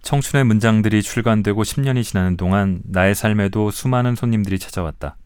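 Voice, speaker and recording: A man in his forties reads his own literary essays aloud, unhurried and reflective. His voice sits low and sounds smooth and resonant. The sound is dry and close, with no room around it. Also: a little mellow, no room sound. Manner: slow, measured and reflective. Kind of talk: calm literary reading aloud.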